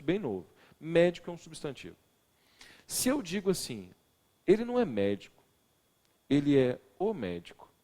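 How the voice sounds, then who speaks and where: A man's voice: mid-range voice, long reverb tail. A man teaching legal writing in a recorded lecture, stressing words for effect and putting questions to his students. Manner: expressive, stresses words, asks the class questions.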